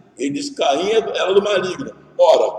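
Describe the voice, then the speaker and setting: A man speaks with audible room echo. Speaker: pastor. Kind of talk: sermon.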